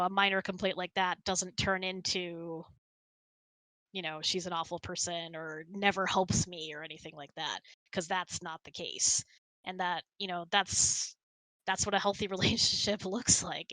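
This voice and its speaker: A woman's voice: lowish voice, sharp tone, no echo, poor audio. A middle-aged woman in casual conversation, talkative and explanatory as she hosts and answers questions. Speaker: host of a couple's hangout. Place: close, dry room on an online voice chat.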